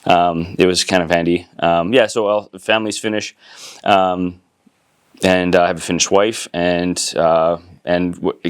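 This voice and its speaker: A low, smooth-voiced Canadian man in his forties talks through his story as an interview guest. He takes his time, with plenty of ums and self-corrections. His voice stays resonant and clear throughout. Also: a little slow. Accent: Canadian English. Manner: relaxed, thoughtful, many fillers and restarts. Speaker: guest entrepreneur. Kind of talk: casual interview conversation.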